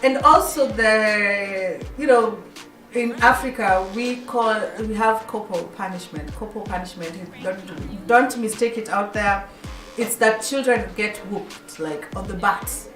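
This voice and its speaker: A woman's voice: mid-range voice, measured pace, a bit bright, recorded from a distance. Woman host, raised in Kenya, Kikuyu native; rambling chat, echoey off-mic sound with music behind. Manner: chatty, repeats and restarts words. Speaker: radio show host. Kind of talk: casual radio chat.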